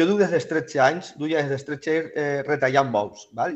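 A man has a normal speaking voice, fairly high with ordinary pitch variation. He talks at a fairly slow pace against a quiet background. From Valencia region, Spain. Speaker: amputee athlete, former bull-running participant; interview guest. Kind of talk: interview. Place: home room. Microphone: video call.

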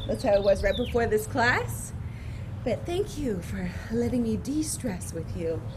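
Noticeable background noise sits behind a woman talking at a fairly slow pace. She leaves long, frequent pauses. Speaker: fitness instructor. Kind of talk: guided exercise class, cueing movements. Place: garden. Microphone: camera far.

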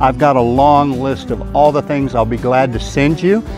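Over clear music in the background, a man speaks at a fairly slow pace in a dry sound with no echo. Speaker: travel video host. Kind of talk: casual vlog chat. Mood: friendly, upbeat. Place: street.

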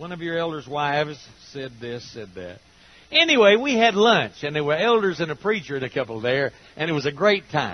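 A man talks at a fairly quick pace. The sound is dry, with no echo. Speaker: preacher. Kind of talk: sermon. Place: church.

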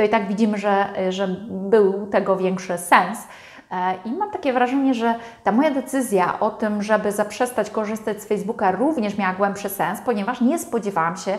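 Ordinary pitch variation colors a woman's speech. She keeps a moderate pace. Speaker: dietitian vlogger. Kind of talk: casual vlog chat. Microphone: lapel.

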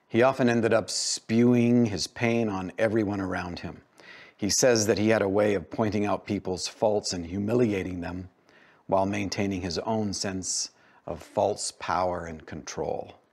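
A man talks in a fairly low voice at a moderate pace. His intonation stays fairly even over a quiet background. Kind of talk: reading aloud then personal reflection. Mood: calm, reflective, some laughter. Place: home room.

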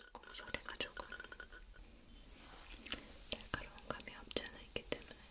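Soft-spoken, a woman is whispering. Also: moderate pace. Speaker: relaxation video host. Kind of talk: soft-spoken calming talk. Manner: soft close-mic ASMR whisper. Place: home room. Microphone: studio mic.

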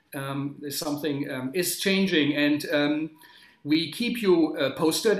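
There is audible room echo as a man speaks against a quiet background. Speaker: talk series host. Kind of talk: introductory remarks. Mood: earnest, reflective.

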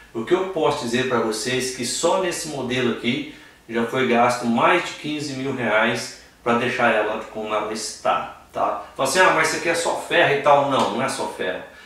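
The speaker is a man with ordinary pitch variation. His moderate pace rings with audible room echo. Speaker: airgun seller. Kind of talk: product presentation. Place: home room.

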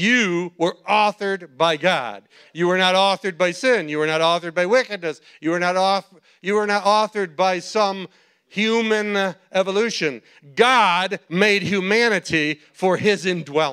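The tone is bright and sharp, with ordinary pitch variation. The speaker keeps a moderate pace over a quiet background. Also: man. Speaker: pastor. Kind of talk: sermon. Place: church. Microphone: handheld.

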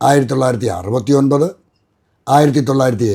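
A man's fairly high-pitched voice with a dark, mellow tone. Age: 70s. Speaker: local Congress politician. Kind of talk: interview.

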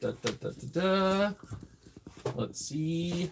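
Noticeable background noise fills the recording. Over it, a man talks very slowly. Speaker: online reseller running live auctions. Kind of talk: live auction selling. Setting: livestream with viewer chat. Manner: chatty, filler-heavy, upbeat.

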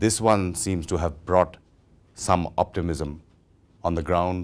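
Very slow and very deep, a man's voice moves with fairly even intonation. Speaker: journalist. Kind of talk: interviewer questions. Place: office.

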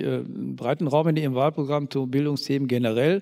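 The man's dark, mellow tone carries ordinary pitch variation at a moderate pace. The background is quiet. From Lower Rhine, western Germany (Wesel); Germany. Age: 60s. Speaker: politician. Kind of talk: panel debate. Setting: lecture hall with audience. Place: hall. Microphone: handheld.

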